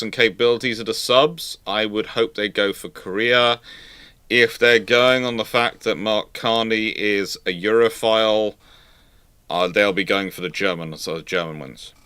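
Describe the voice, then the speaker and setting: A man giving informal expert commentary as he answers questions on a live show, emphatic and correcting, often halting and repeating words. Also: fairly low pitch, bright, forceful tone, smooth, no room sound. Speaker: host of a naval history live Q&A.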